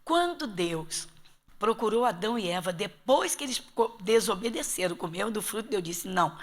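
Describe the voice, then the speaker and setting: A woman's voice: mid-range voice, expressive, moderate pace. A woman pastor from Rio de Janeiro teaching a Bible study class, with an emphatic style full of rhetorical questions to her listeners. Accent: Rio de Janeiro Portuguese. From Brazil.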